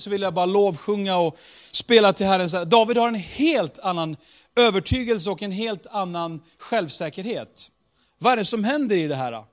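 A man preaching a sermon with emphatic, repetitive rhetorical build-ups and casual asides. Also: sits high.

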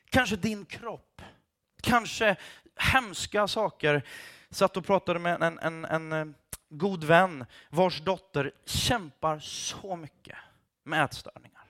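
A man preaching a sermon with passion, at times raising his voice to a near shout and dropping English phrases into his talk. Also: high-pitched. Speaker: pastor.

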